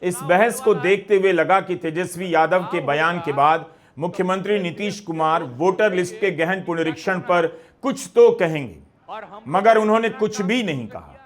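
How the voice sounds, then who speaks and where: A middle-aged male presenter delivers news commentary. His voice sits fairly high, and he speaks in a measured way, posing pointed questions as he goes.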